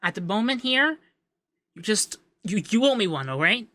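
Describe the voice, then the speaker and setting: Bright, flustered young femboy tax man, acted by a man. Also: sits high, very animated, moderate pace, no room sound, exaggerated voice. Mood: flustered, businesslike. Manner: stammering, shy, teasing. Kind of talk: ASMR roleplay, acted straight to the listener.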